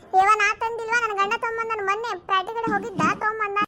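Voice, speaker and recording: This cartoonish character voice belongs to a woman with an extremely high pitch. Her delivery is monotone and flat at a moderate pace. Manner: chatty, colloquial.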